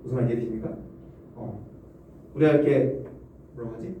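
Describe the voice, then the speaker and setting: A man's voice: medium pitch, quick pace, mellow. A male Korean language teacher giving a classroom lecture, asking students questions and chuckling often. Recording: roomy classroom echo, distant mic, faint hum.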